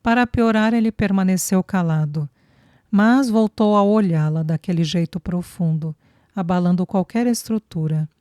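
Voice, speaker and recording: A woman narrating an audiobook in a calm, measured way on a close studio mic. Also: on the low side, no echo. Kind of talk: scripted narration.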